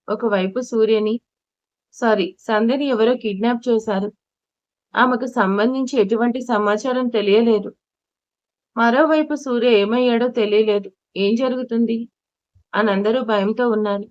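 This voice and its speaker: A woman storyteller reading an emotional audio story in an expressive way, now and then correcting herself. The audio is dull and lo-fi. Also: a little high, no room sound. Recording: dull lo-fi recording.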